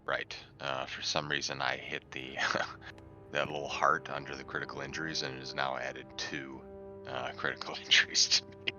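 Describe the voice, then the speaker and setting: A man chatting casually as a player in a tabletop game, recorded on a low-fidelity mic. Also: level tone, moderate pace. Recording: dull lo-fi microphone, music underneath. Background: background music.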